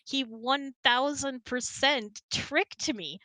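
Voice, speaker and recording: A woman with a bright voice chats casually on a close, dry mic. She tells stories expressively and giggles easily between phrases. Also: high voice, takes it slowly, no room sound, poor audio. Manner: giggly, expressive, animated storyteller. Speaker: host of an audio hangout. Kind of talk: casual storytelling chat.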